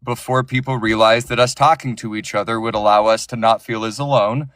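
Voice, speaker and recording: A man's voice: on the low side, steady tone, a little fast, fairly bright tone. A man who narrates audiobooks, talking passionately and with strong opinions in a casual interview, often restarting his sentences.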